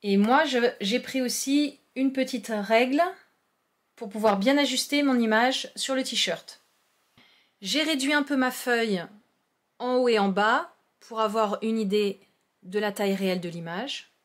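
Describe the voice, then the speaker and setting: Femme au timbre un peu aigu expliquant un tutoriel. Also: female voice, on the high side, unhurried. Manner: clear, instructive, friendly explaining. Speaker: craft tutorial host. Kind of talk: step-by-step crafting tutorial.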